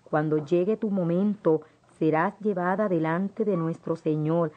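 A woman's voice: on the low side, fairly even intonation, a little slow, natural voice. Sarcastic demon jailers, read by a woman. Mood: mocking. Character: jeering pair of demon jailers. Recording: dull lo-fi audiobook audio.

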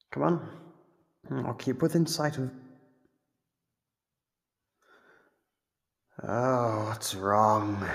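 A man playing a sadistic, playful monster toying with human prey in an ASMR horror roleplay, with a gravelly, husky voice and a theatrical, menacing, musing manner. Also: medium pitch, no echo, clean studio sound, full character voice. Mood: mocking exasperation. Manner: slow, theatrical, menacing musing with sudden swells.

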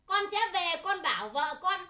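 A woman's voice: very high voice, big pitch swings, moderate pace, bright, forceful tone, full character voice. A woman playing a bumbling, joking male clown servant in a traditional folk opera comedy, giggling and punning in a sing-song way. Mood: giggly, teasing. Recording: echoey stage recording.

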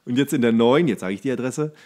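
A man's voice: medium pitch, fast talker, warm tone. A man in his thirties chatting casually as a podcast co-host, rambling and rephrasing mid-sentence. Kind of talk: casual chat.

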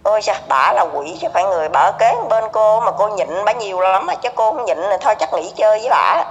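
A woman's voice: mid-range voice, expressive, quick pace, big-room sound, lo-fi sound. A middle-aged woman with a Southern Vietnamese accent, a neighbor being interviewed in casual conversation, gossipy and emphatic, repeating herself.

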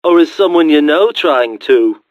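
Pushy, flippant cartoon merchant creature: animated pitch, dry and slightly dull sound. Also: male voice, measured pace, no room sound. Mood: salesmanlike. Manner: glib, flippant. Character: cheeky, pushy odd-creature salesman in a cartoon game. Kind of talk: animated sales-pitch character acting.

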